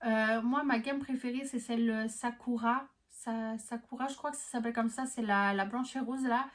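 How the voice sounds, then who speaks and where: A woman's voice: on the high side, steady tone, normal speed. A young woman vlogging casually, chatty and enthusiastic, with many fillers and restarts. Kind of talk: casual gift-guide vlog.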